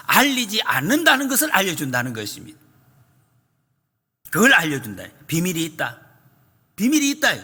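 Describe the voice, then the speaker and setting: A man preaching a sermon as pastor, emphatic, repeating key phrases and moving between loud and soft. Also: fairly high pitch, husky. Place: church sanctuary. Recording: church hall reverb.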